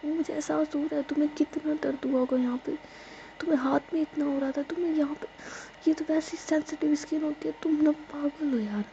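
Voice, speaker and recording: A woman's voice: mid-range voice, little pitch movement, moderate pace, warm tone, natural voice. A woman doing a tearful, scolding young lover. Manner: emotional, scolding, half-whispered. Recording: dull lo-fi recording, faint noise.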